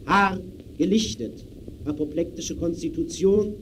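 An actor playing an impersonal official who declaims a case file in clipped phrases, in 1920s radio play style. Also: male voice, on the high side, unhurried, natural voice. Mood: clinical. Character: clinical male official reading out a case file. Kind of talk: 1920s German radio play, staccato report. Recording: noisy early radio recording.

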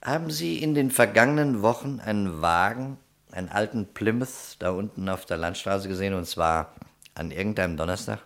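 Low-voiced, businesslike police detective. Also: male voice, moderate pace, a bit bright. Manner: businesslike, questioning. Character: male police detective, businesslike, probing and guarded. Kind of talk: German crime radio play acting.

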